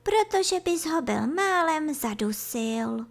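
A woman voicing a small, meek male slow-worm in a storybook reading, speaking faintly and apologetically. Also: high-pitched, lively intonation, vocal fry, voice pushed up. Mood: sleepy.

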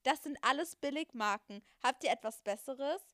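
A woman voicing a self-pitying, snobbish mother in an interactive story, reading her lines in quick, flat asides. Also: high voice, no echo, clean studio sound. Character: bossy snobbish mother asking to stay over.

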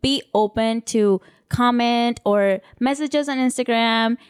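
A woman's voice: on the high side, a little slow, smooth. A young woman whose first language was Spanish, co-hosting a podcast and recounting her childhood in a reflective casual chat. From Mexico and the United States. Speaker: podcast co-host.

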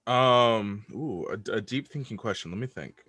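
Man, deep voice, podcast guest, hesitant, self-deprecating, reflective casual talk, dry close recording. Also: animated, a little slow, pushed and bright, husky, dry recording. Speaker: interview guest, audio drama writer.

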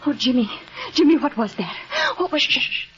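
A woman's voice: high-pitched, lively intonation, moderate pace. An actress playing a sweet, frightened young woman in an old-time radio drama, anxious, hesitant and pleading. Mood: scared. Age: young adult. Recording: muffled old radio recording, music behind.

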